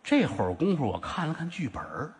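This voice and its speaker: A man's voice: mid-range voice, huge pitch swings, brisk. A man performing crosstalk comedy, telling a teasing story in a sly way. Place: theater stage before a live audience. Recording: reverberant live theater sound.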